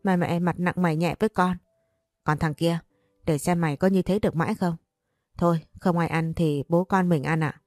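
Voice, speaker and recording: A woman's voice: fairly low pitch, steady tone, normal speed, darkish tone, dry recording, studio quality, soft background music, close to an everyday voice. A woman voicing a spiteful young daughter-in-law who speaks snappily and sarcastically. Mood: resentful.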